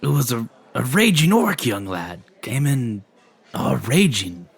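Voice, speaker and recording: Folksy male innkeeper, put on by a man: gravelly fry, archaic turns of phrase, stammering, lively pitch, comic fantasy. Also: a little slow, full character voice. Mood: folksy, grateful. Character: folksy male innkeeper, grateful, given to dramatics. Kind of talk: amateur comic fantasy skit.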